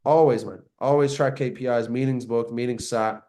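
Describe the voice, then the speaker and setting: A man's voice: medium pitch, fairly even intonation, normal speed, warm tone. A young man talks over a video call as a podcast guest. He is brash and profane, speaks in bursts and often repeats himself. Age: 20s. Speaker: guest, marketing agency owner. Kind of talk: casual podcast interview.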